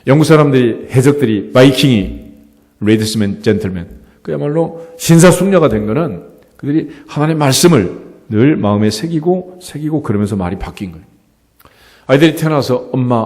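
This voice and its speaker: Animated male pastor in reverberant church. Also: mid-range voice. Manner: animated, conversational preaching with rhetorical questions. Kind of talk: sermon. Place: church sanctuary. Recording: church hall with long reverb.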